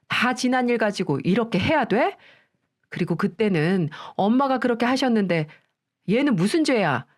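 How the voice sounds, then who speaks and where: A woman's voice: medium pitch, natural voice. A woman voicing a reproachful husband who sides with his sister in a raised voice.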